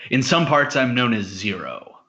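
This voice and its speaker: A man playing an earnest, pompous space hero stranded on Earth in an audio comedy drama, speaking gravely and formally. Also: medium pitch, sing-song, moderate pace, pushed and bright, highs cut off. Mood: urgent, self-important.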